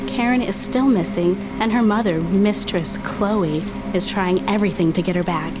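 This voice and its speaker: A woman's voice: medium pitch, moderate pace, over music, close to an everyday voice. An actress playing a dead young woman, narrating a horror audio drama in a somber, reflective, wistful way. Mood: somber, brooding.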